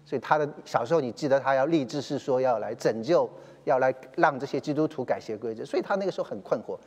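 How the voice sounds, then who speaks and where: A man's voice: medium pitch, lively intonation, quick pace, a little mellow, slightly rough, in a large hall. A man, a church elder, retelling a story in a sermon, with many fillers and English phrases slipped in.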